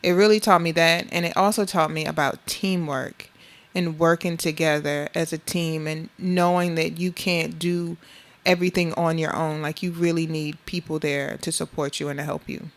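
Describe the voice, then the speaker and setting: A woman's voice: deep voice, steady tone, moderate pace. A woman from South Carolina with a Southern Black American accent touched by Gullah Geechee, telling stories conversationally as an interview guest. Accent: Southern Black American with Gullah Geechee influence. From Beaufort, South Carolina, United States.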